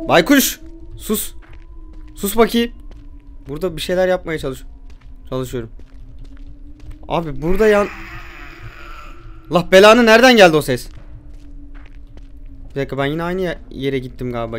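High-voiced jumpy man narrating horror gameplay. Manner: jumpy, talks back to the game, jokey swearing. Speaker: gamer playing a horror game. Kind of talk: let's play horror game commentary.

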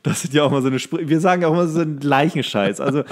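A man's voice: fairly high pitch, racing. A man chats casually as a podcast co-host, rambling in coarse, colloquial slang.

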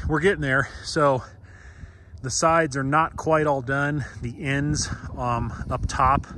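Young guy, mid-pitched, relaxed and chatty, explains as he works; handheld camera, noisy outdoor sound. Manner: easygoing, explains step by step, many "uh" pauses. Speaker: vlogger, pilot building a hangar. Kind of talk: casual walk-through narration. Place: unfinished hangar and open field, in and out of doors.

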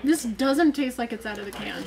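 Female co-reviewer, high voice, chatty and keen, crowded venue. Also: normal speed. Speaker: food review presenter. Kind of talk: casual food review chat. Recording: crowd noise behind.

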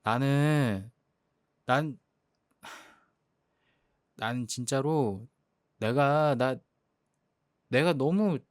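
A man's voice: medium pitch, very slow, long pauses, no echo, clean studio sound. A young man playing a jealous boyfriend in a role-play drama, sulky and exasperated. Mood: hurt. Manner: sulky, hurt, exasperated complaining.

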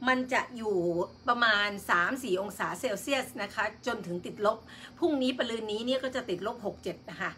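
A woman's voice: fairly high pitch, sharp tone, a little hiss or hum. A woman hosting a live stream in casual chat, politely reading out and greeting her viewers one by one.

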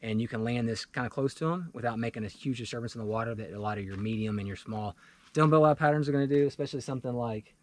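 A man in his forties talking casually to camera in a wooded clearing, walking through his fishing gear with lots of fillers and restarts. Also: medium pitch, quick pace. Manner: relaxed and chatty, many fillers and restarts. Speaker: fly fishing vlogger. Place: outdoors in a wooded clearing beside a pickup truck.

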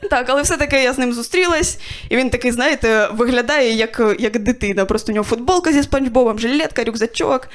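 A young woman performing a stand-up set, telling stories in a dry way with quick voiced asides. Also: on the high side. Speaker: stand-up comedian. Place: stage of a small comedy club.

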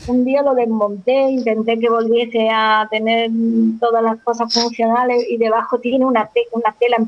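A woman's voice: a little high, flat delivery, normal speed. Spanish woman in her forties on a phone line. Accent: Spanish from Spain. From Spain. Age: 40s. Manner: chatty, with frequent restarts and repeated words. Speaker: interview guest. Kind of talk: casual conversational interview. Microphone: phone call.

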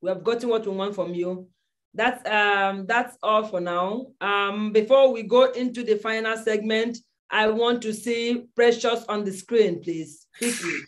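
Here the same kind of scene plays out: a woman with a Nigerian accent coaches an online acting class over a video call microphone from an indoor room, issuing commands and repeating them to her audition students. She speaks in a mid-range voice at a measured pace, with a little hiss or hum audible.

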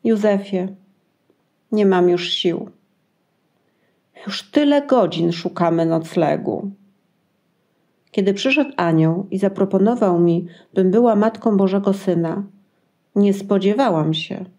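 A woman playing a weary, trusting expectant mother in a Christmas radio play, gentle and plaintive. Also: medium pitch, lively intonation, slow, pauses often.

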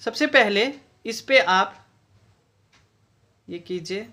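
A man's voice: high voice, expressive, extremely slow, sharp tone. Indian man explaining a DIY build. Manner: mixes Hindi and English, explains step by step. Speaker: battery pack builder. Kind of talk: DIY tutorial. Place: indoor workbench.

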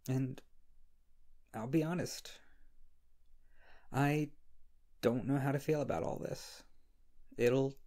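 A man playing a shy, flustered, insecure young scriptwriter in an intimate ASMR roleplay, speaking hesitantly with a husky, creaky voice. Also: medium pitch, steady tone, mellow. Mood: bashful, processing. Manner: hesitant, halting. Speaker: audio roleplay performer. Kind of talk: ASMR roleplay, intimate one-sided dialogue.

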